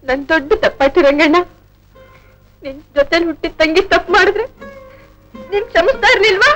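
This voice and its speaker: An actress playing an emotional young wife who is quick to tears and pleads with her brotherly helper. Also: very high-pitched, expressive, a bit bright, soft background music, rough recording. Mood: pleading. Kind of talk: 1970s film acting.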